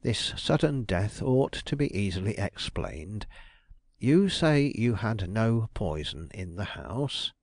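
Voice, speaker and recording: A man voicing a shrewd, suave older detective who asks his questions slowly and deliberately. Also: on the low side, very animated, darkish tone, dry recording, studio quality, exaggerated voice.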